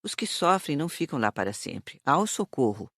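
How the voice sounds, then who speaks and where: A man with a Brazilian accent playing a serene spirit instructor who explains in clear declarative statements for an audiobook. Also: a little high, big pitch swings, a little fast, fairly bright tone, dry recording, studio quality. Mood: serene, instructive. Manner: didactic, declarative. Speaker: audiobook voice actor. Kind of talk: audiobook dramatised reading.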